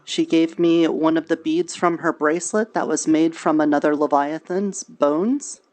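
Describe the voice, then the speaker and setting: A woman's voice: deep voice, steady tone, unhurried, darkish tone. A woman playing a friendly, chatty tailor in an improvised fantasy roleplay, talking casually with playful, cutesy word choices. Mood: earnest, explaining.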